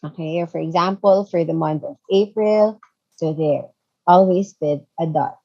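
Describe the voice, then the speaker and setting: A woman's voice: fairly low pitch, normal speed, lo-fi sound. A woman teaching an online English grammar lesson, patient, often checking in with "okay" and "so there.". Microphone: video call.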